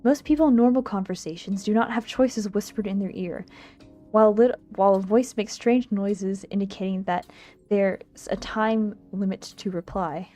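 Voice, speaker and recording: Woman VTuber, mid pitch, expressive livestream read-aloud of a visual novel, giggly asides, game music underneath. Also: normal speed. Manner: giggly, expressive, stumbles while reading aloud. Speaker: streamer, VTuber.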